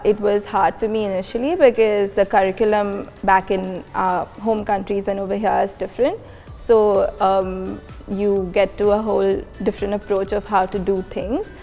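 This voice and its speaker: Relaxed young woman from India. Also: mid-range voice, moderate pace, faint music behind. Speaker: international student. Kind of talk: casual student testimonial.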